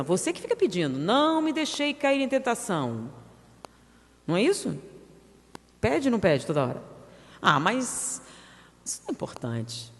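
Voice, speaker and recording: A woman giving a public spiritist lecture, firing rhetorical questions at the audience and acting out their objections. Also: lowish voice. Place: lecture hall of a spiritist center. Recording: reverberant lecture hall.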